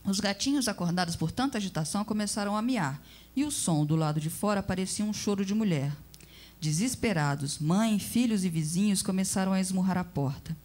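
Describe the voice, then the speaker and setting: A woman reading a story aloud with expressive, measured narration. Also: mid-range voice.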